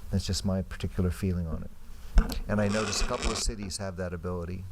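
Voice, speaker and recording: A middle-aged or older man with a deep voice argues a point in a council discussion. He is plain-spoken and emphatic, often restating himself. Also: steady tone, fast, noisy background. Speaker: council member and former mayor. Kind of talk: informal argument in council discussion.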